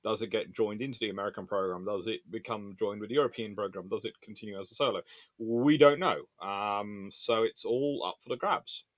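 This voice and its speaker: A man's voice: fairly low pitch, fairly quick, no room sound. A man hosting a casual question-and-answer session, rambling and hesitant as he thinks aloud. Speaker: host answering viewer questions.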